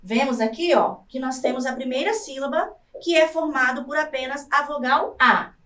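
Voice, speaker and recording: A Brazilian Portuguese-speaking woman teaching a recorded lesson for adult learners, slowly sounding out syllables one by one. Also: high voice, fairly bright tone, far from the mic. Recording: echoey room, voice off-mic.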